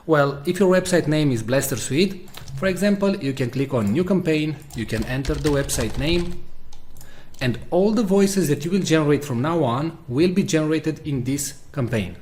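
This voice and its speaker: A man presents a software tutorial over a screen share. His voice sits a little high, and he explains each step as an instructor would. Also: animated, moderate pace.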